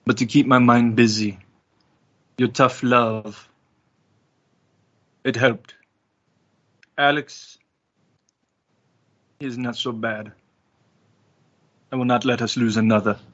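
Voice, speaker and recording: A man voicing a centuries-old, protective male being in a tabletop game, speaking formally, deliberately and courteously. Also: medium pitch, fairly even intonation, a bit bright, muffled recording. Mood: grave, resolute.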